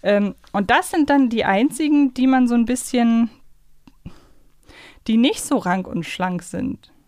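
A woman's voice: fairly high pitch, unhurried, a little mellow, no echo, studio quality. A woman talking casually and reflectively as a podcast co-host. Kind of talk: casual podcast discussion of an audio drama series.

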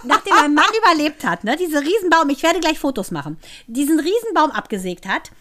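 A woman's voice: sits high, fairly quick. A middle-aged woman co-hosting a podcast, telling anecdotes in casual chat and laughing as she talks. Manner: lively storyteller, laughs while talking. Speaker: podcast co-host.

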